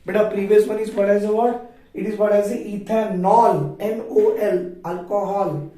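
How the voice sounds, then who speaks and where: High-pitched South Asian man teaching, very echoey. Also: fairly even intonation, moderate pace, warm tone. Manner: questioning, repetitive, spelling terms out letter by letter. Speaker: chemistry teacher. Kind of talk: online chemistry lesson. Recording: echoey room, far from mic.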